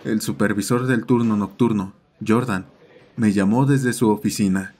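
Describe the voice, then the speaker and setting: A man's voice: on the low side, steady tone, moderate pace, darkish tone. A man doing scripted first-person narration for an audio horror story.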